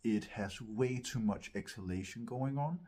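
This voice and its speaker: A man with a husky voice teaching as a vocal coach, speaking in hesitant, searching phrases with emphatic repeats. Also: medium pitch, a little slow, dark tone. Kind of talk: instructional talk to camera.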